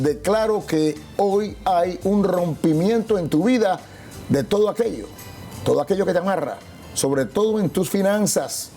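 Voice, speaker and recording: Male pastor-host, high and mellow, preacherly delivery, faint music bed. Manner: preacherly, declaring blessings, stretching words for emphasis. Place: TV studio.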